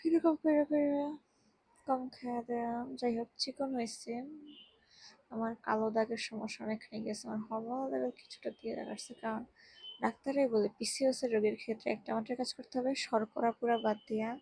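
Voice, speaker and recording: A tired young woman, speaking very softly while lying down at home, giving casual health advice into a handheld mic. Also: a little high, creaky, slightly rough, no room sound, poor audio. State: tired, drowsy. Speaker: vlogger. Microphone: handheld microphone.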